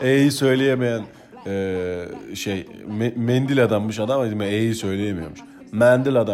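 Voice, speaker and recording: Noticeable background noise and audible room echo surround a man's voice. He speaks at a fairly slow pace with a medium pitch and ordinary pitch variation. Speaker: podcast host. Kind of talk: casual chat. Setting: at home. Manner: animated.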